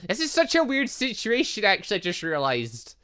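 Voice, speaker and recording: A man giving excitable, rambling casual commentary as he plays a visual novel as a gaming host. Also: high-pitched, brisk, smooth. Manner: excitable, rambling, reacting aloud. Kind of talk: casual game commentary with lines read aloud from a visual novel.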